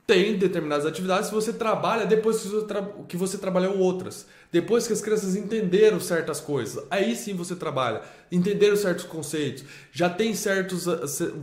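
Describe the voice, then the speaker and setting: Man, Brazilian accent, high-pitched, emphatic, repetitive, casual chat, echoey room. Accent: Brazilian Portuguese. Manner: emphatic, repeats himself with many tag questions. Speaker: homeschooling father. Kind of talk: casual podcast conversation.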